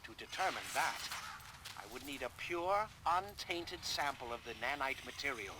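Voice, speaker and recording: An actor playing a grave, cerebral scientist with formal, precise delivery in a video game cutscene. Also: male voice, mid-range voice, animated, moderate pace, close to an everyday voice. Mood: grave, analytical. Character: cerebral, grave male scientist explaining a threat. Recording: clear noise behind the voice.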